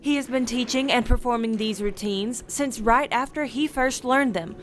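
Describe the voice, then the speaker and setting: Woman student reporter, measured. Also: fairly high pitch, a little hiss or hum. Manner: scripted, measured reading. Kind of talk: news package narration.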